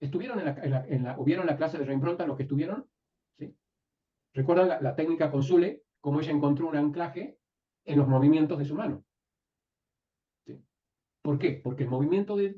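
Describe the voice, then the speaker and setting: A man teaching a live class, often pausing to ask his students whether they follow. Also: a little high. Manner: asks the class frequent checking questions. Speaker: NLP teacher. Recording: distant, dull lo-fi room recording.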